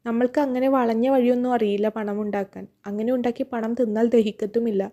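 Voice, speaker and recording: Woman narrator voicing an angry young man, scornful, snapping, very dark mellow tone, slightly high. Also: fairly even intonation, quick pace, natural voice. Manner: snapping, bitter reproaches. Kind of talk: audiobook character voice.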